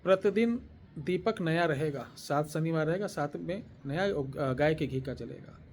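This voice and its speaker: Devotional teacher, male, slightly high voice, deliberate repetitive dictation, faint noise behind. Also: darkish tone. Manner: slow deliberate dictation, chanting words one by one; repeats phrases, throat-clearing pauses. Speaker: tantric spiritual teacher. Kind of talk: devotional instruction with mantra dictation.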